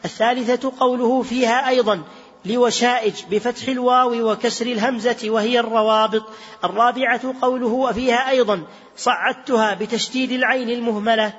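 Male student reader, very high and fast, steady recitation; long hall reverb, muffled lo-fi sound. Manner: steady recitation, self-correcting slips. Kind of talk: reading a text aloud to a teacher. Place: large mosque hall.

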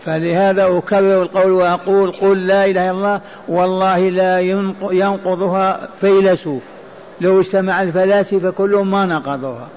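A man delivering a sermon explaining scripture, emphatic and repetitive, asking rhetorical questions. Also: high-pitched. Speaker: preacher. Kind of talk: Quranic exegesis sermon. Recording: dull lo-fi recording with faint noise.

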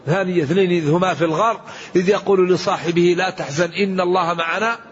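A man's voice: high voice, fairly even intonation, quick pace, muffled recording. A man giving an earnest, emphatic Quran commentary lesson, quoting scripture and sayings as he preaches. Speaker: Quran teacher.

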